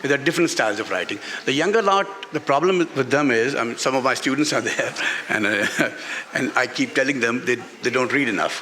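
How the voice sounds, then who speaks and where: A man's voice: mid-range voice, expressive, fairly quick, pushed and bright. A middle-aged man with a Pakistani accent answers candidly as an author at a live event, speaking emphatically and repeating phrases for stress. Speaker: author on a festival panel. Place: live literary festival session in a garden venue. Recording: live event with background noise.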